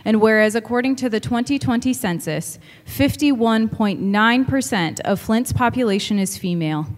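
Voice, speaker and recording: A woman, a councilwoman, reading a formal resolution aloud in a measured way in council chambers. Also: fairly high pitch, lively intonation, big-room sound.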